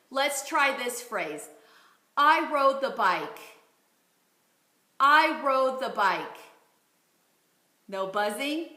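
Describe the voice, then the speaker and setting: Bright-voiced woman coaching speech. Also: fairly high pitch, reverberant. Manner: demonstrates words slowly and clearly. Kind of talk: instructional video lesson.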